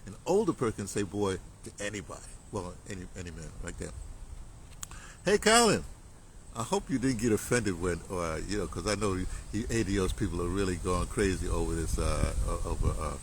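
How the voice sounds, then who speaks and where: An older man of seventy-five holds forth in a loose, rambling monologue, looping back on himself and dropping in slang. His pitch swings widely as he talks. A faint hiss of noise sits behind him. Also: animated, a little fast, poor audio. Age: 70s. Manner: rambling, chuckling, uses black slang. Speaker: commentator. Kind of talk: casual monologue.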